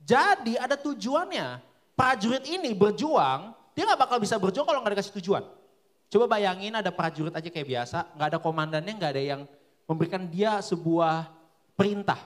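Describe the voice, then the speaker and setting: A young male preacher speaks with a notably high voice. He keeps his sermon casual and lively, peppering it with rhetorical questions to pull the listeners along.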